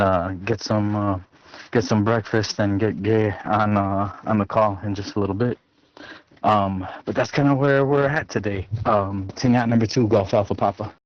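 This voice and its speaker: A man's voice: lowish voice, fairly even intonation, normal speed, no room sound. Breathless man rambling on a muffled call. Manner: rambling, many fillers and restarts. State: a little out of breath. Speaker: net participant checking in. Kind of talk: casual check-in on a group call.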